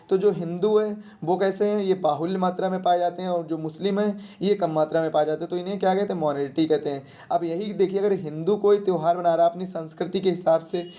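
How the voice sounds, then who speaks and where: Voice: mid-range voice, dark tone. A teacher giving a question-and-answer exam lesson in a didactic way, repeating questions and answers and posing rhetorical questions.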